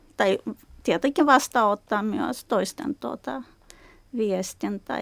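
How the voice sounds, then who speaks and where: A woman with a Russian accent is heard in a dry, close sound with no echo. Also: very clean recording, silent background. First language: Russian (speaking Finnish). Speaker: culture and arts worker, diversity advocate. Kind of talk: radio panel discussion. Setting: studio.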